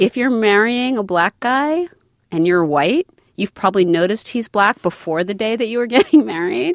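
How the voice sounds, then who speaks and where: In a very clean recording with a silent background and a dry, close sound with no echo, a woman with an American accent uses a normal speaking voice, lively intonation and a moderate pace. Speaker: screenwriter. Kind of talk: interview.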